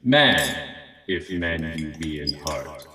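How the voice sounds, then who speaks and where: An actor playing a solemn Christmas spirit in a radio play, kindly but stern, speaking in formal, measured phrases. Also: male voice, rumbling low, lively intonation, echoey room, far from the mic, a crowd in the background, full character voice. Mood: grave, stern. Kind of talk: radio play acting of a Victorian tale.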